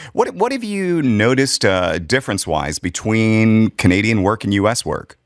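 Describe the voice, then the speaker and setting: Over a silent background in a very clean recording, a man speaks in a General American accent at a medium pitch. He keeps a moderate pace with lively intonation and hardly any pauses. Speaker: voice actor and podcast host. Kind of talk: casual chat.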